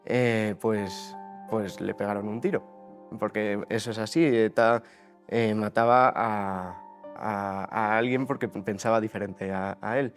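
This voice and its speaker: A man's voice: on the low side, steady tone, slow pace, faint music behind. A man in his twenties from Spain's Basque Country, giving a testimony in an interview and often stopping to restart his words. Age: 20s. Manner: hesitant, many restarts and fillers.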